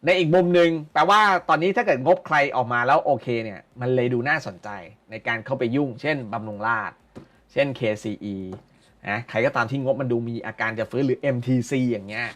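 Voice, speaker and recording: A man's voice: mid-range voice, fairly quick, fairly bright tone. A middle-aged man giving casual live stock market commentary, blunt and slangy, repeating phrases for emphasis.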